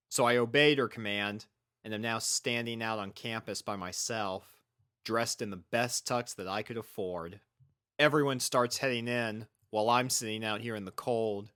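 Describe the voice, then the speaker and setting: A man's voice: mid-range voice, fairly bright tone, clean tone, no echo, studio quality. A man reading a scripted first-person story as its narrator. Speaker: fan fiction reader and narrator.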